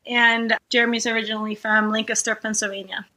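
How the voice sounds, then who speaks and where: A woman's voice: fairly high pitch, fairly quick. A woman from Costa Rica, a guest in ministry, talking casually with fillers like "like". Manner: relaxed, conversational, uses filler "like". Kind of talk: casual interview chat.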